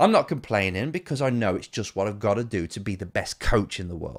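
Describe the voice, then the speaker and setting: Hoarse and put-on, this character voice moves at a fairly quick pace with lively intonation. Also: man, fairly low pitch for a man. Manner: determined, motivational.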